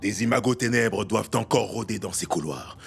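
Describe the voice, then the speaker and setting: An actor playing a proud, grumpy hermit crab water spirit in a children's cartoon, pompous and gravelly. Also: male voice, lowish voice, brisk, a little hiss or hum. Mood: grumbling. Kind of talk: French cartoon dubbing. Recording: music under the voice.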